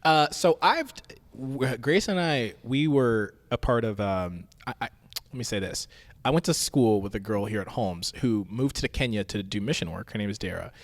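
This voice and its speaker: A man's voice: medium pitch, moderate pace, in a large hall. A man from Tanzania chatting casually on a podcast, telling stories with lots of laughter. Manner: laughing, animated storyteller. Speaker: podcast co-host. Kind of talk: casual chat.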